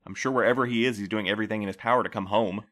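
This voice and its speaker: A man playing a calm, patient middle-aged postmaster who interviews new couriers, speaking gently and in a measured way. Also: lowish voice, natural voice. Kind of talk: audio drama acting.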